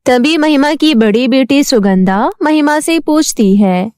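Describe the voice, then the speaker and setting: A woman's voice: high voice, measured pace, a little mellow, clear, resonant tone, no room sound, clean studio sound. A woman narrating a scripted bedtime story as a storyteller.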